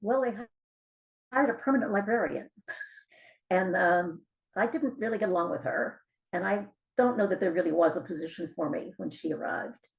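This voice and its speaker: Older woman with a creaky, gravelly voice. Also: mid-range voice, normal speed, muffled recording. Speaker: author being interviewed. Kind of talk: conversational interview recollection.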